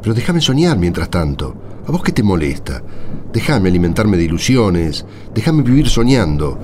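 An actor playing a hot-headed, dreamy and defiant Argentine soldier in a radio drama. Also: male voice, deep voice, very animated, moderate pace, warm tone, slight background noise. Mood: defiant, wistful. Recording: prominent music behind the voice.

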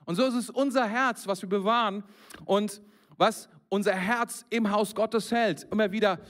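A man with a high voice preaches to his congregation in a church service. He talks in a lively, direct way and often stumbles into restarts. His sermon style is informal but earnest. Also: moderate pace. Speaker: pastor.

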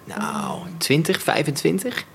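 A man's voice: on the high side, big pitch swings, slow, vocal fry, a little hiss or hum. A man, an actor guest on a podcast, chatting casually and telling self-deprecating stories. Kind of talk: casual conversational storytelling.

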